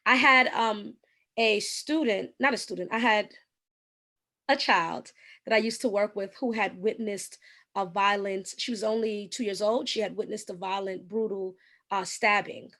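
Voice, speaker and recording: A woman with a slightly raspy voice, a guest giving earnest, explanatory advice in an interview with frequent ums. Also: medium pitch, fairly even intonation, unhurried, pushed and bright.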